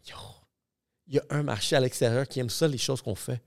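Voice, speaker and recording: Animated podcast host. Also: male voice, medium pitch, a little fast, gravelly. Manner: animated, fillers like "comme, yo", thinks aloud. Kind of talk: casual podcast chat.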